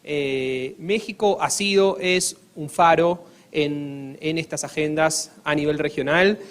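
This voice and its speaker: A man's voice: fairly high pitch, slow pace. Hesitant Argentine man on a panel. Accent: Argentine Spanish. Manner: earnest, many hesitations and restarts. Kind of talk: formal panel talk.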